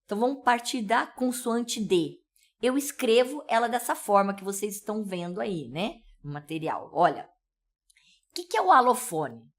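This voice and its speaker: A woman's voice: mid-range voice, big pitch swings, moderate pace. A woman with a São Paulo accent teaching pronunciation, explaining step by step and checking in with listeners often. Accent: São Paulo Brazilian Portuguese. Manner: explanatory, with frequent "né?" and "tá?" check-ins. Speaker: English teacher. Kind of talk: pronunciation lesson.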